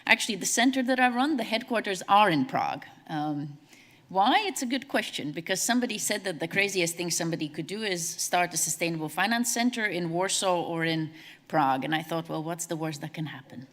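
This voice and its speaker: A woman from Latvia, giving a brisk, conversational conference presentation as a CEO. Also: lowish voice, fairly bright tone. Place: large conference hall. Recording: long hall reverb.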